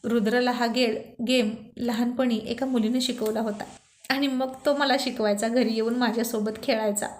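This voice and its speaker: A woman's voice: on the high side, steady tone, normal speed, a little mellow, natural voice. A woman voicing a playful, insistent young woman who teases and coaxes in a storybook. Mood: coaxing. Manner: teasing, coaxing.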